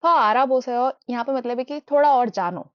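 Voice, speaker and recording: Woman drilling words with slow repeats. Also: sits high, no room sound. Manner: repeats each word slowly several times as a drill; mixes Hindi and English while explaining. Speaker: Korean language teacher. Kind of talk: beginner language lesson. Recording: dull, muffled dry recording.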